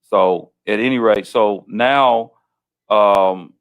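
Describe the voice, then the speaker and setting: Halting low-voiced male interviewer. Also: narrow, tinny audio. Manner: halting, many restarts, leading questions ending in "right?". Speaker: interviewer, host. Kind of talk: interview questioning.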